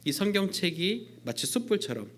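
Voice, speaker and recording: A youth pastor man giving a sermon at a church service, in a voice pitched a little above average for a man. He talks in a loose, conversational way, with many filler sounds. He keeps an informal, chatty tone throughout. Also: big pitch swings, normal speed.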